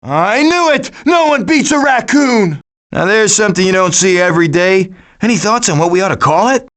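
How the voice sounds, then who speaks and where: Cartoon game raccoon: high, swooping voice, glib scheming wisecracker. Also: male voice, lively intonation, normal speed, a bit bright. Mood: excited, rallying. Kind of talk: animated video game voice acting.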